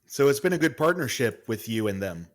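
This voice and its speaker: A man hosting a podcast, asking his guest questions in a calm, friendly way. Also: mid-range voice, brisk. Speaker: podcast host. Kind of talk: casual interview questions.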